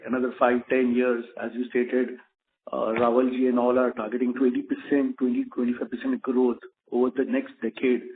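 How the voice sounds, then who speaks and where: A man asking a question as an investor, hesitant and polite, circling around his point. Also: mid-range voice. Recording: noisy tinny phone line with clicks.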